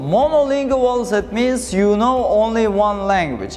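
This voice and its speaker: Amid noticeable background noise and audible room echo, a man talks with an Uzbek accent. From Uzbekistan. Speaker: English teacher. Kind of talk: lecture. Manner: halting.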